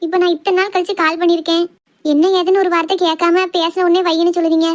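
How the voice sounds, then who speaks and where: A woman's voice: very high voice, little pitch movement, fast. A woman playing a sweet, easily wounded young girl in love in a cartoon drama, with a southern Tamil Nadu accent. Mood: puzzled, pleading.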